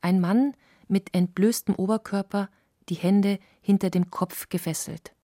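A woman narrating a historical documentary in a measured, sober scripted voice. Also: medium pitch, fairly even intonation, dark tone, dry recording, studio quality.

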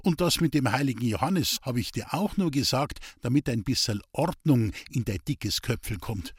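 Man reading a kindly Bavarian village priest in a storybook, husky, patient. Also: medium pitch, lively intonation, normal speed, no echo, studio quality. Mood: gentle. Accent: Bavarian dialect. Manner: patient, fatherly. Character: kindly, gently teasing older village priest.

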